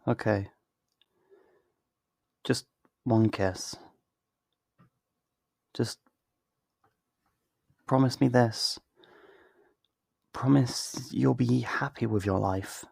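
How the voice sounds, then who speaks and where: A man acting in an ASMR roleplay as a tender, wistful best friend, speaking softly and earnestly in an intimate way, close to the mic. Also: medium pitch, gravelly, husky, no room sound, heavily acted. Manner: slow, intimate, earnest, with sighs and pauses. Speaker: ASMR voice actor. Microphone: close studio mic, dry.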